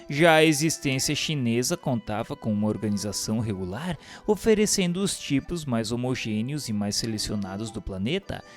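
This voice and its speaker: Solemn man narrating, animated intonation. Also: mid-range voice. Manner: formal, declamatory. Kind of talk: solemn scripted audiobook narration. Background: background music.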